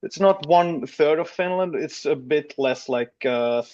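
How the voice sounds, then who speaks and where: A man in his thirties hosting a podcast interview, speaking in a hesitant, halting way with frequent repeats. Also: on the high side, darkish tone, dry recording, dull audio. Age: 30s. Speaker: podcast host. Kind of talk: casual interview talk.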